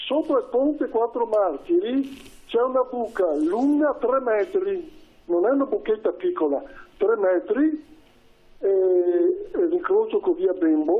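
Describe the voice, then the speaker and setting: His voice is extremely high for a man and swings very widely in pitch while the loudness stays very even. He talks at a fairly slow pace with long, frequent pauses. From Padua, Italy. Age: 70s. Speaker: caller. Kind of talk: complaint about roads. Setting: phone call.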